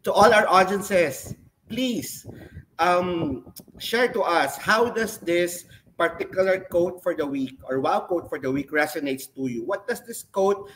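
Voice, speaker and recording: A man's voice: sits high, a little slow, a bit bright, a little hiss or hum, low-quality recording. Filipino man hosting a video-call webinar. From Philippines. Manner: mixes English and Filipino, announcer-like. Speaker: host.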